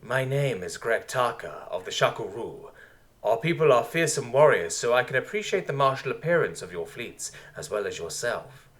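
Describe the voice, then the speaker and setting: A man's voice: mid-range voice, sing-song, normal speed, fairly bright tone. A man voicing a proud, warlike great white shark leader who speaks formally and solemnly in a story.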